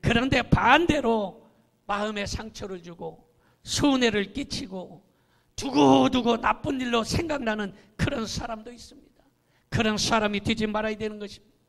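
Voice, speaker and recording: A man's voice: high-pitched, normal speed, gravelly, a bit bright. A middle-aged man preaching a sermon as pastor, emphatic and acting out the quoted voices.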